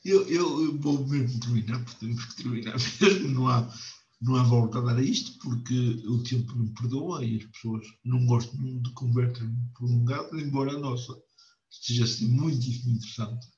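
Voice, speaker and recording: A middle-aged man hosting a relaxed interview from his home office, talking animatedly close to his webcam. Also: medium pitch, fairly quick. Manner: animated, leans close to the camera. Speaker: interview host. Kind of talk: casual interview chat. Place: home office with wooden door. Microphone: webcam on a video call. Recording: roomy, dull video call audio.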